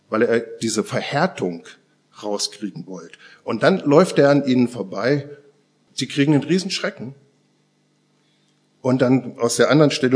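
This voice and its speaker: A man preaching to a congregation at a church service, with a voice of ordinary middle pitch. He speaks earnestly in slow, deliberate phrases and often drops to a hushed, intimate murmur. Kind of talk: sermon.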